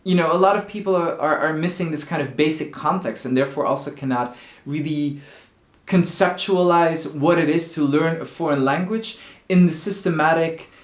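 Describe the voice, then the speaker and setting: A man's voice: a little high, moderate pace. Man teaching, echoey room. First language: Dutch. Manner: thoughtful, repeats words while searching for phrasing. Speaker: Dutch language teacher. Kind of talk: casual explanatory talk to camera.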